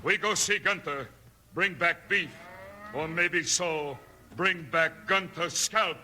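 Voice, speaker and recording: An actor playing a proud, stubborn Native American chief in a 1950s radio western, speaking terse broken English with menace. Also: male voice, fairly high pitch, takes it slowly, pushed and bright, full character voice. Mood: stern, defiant. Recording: noisy vintage radio recording with clicks.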